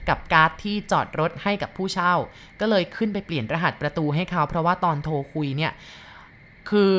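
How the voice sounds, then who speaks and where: A woman retelling a listener's ghost story in a casual, chatty way, with polite particles and lively quoted lines. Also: on the low side, slight background noise.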